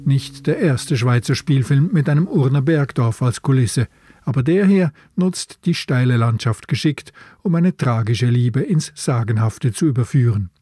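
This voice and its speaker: A man's voice: mid-range voice, lively intonation, normal speed, mellow, husky. A man hosting a film podcast, presenting from a script. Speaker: podcast host.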